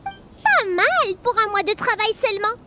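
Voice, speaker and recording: A woman voicing a tiny, excitable, cheeky childlike fairy companion in a game dub. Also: extremely high pitch, unhurried, a little hiss or hum, heavily acted. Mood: curious. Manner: exclamatory, naive, bubbly. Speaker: amateur voice actor dubbing a game character. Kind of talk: scripted game dialogue dub.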